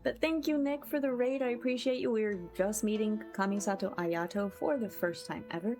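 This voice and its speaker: A woman's voice: a little high, normal speed, darkish tone. Chatty, effusive woman streamer over music. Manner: effusive, grateful, chatty with viewers. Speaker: game livestreamer and content creator. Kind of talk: casual livestream chat with viewers. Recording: music playing behind the voice.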